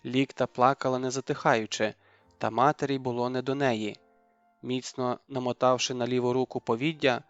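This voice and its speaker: A man reading a historical novel as an audiobook narrator, in steady, even storytelling. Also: medium pitch, no room sound, highs cut off. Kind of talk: scripted narration.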